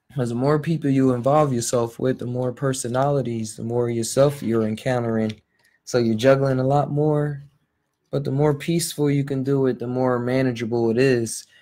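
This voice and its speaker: A man talks in a dark, mellow tone with fairly even intonation. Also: moderate pace. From Philadelphia, US. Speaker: podcast host. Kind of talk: casual solo talk show. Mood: relaxed, reflective. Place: home room. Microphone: studio mic.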